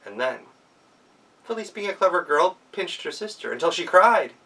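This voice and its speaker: A man telling a folktale as an animated storyteller, recorded at some distance from the microphone. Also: high voice, moderate pace.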